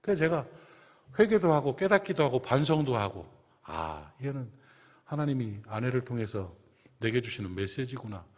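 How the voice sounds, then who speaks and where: Lively, animated Korean pastor in a reverberant hall. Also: male voice, medium pitch, moderate pace. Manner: animated preaching that drops to soft, quiet storytelling. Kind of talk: sermon. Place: church sanctuary.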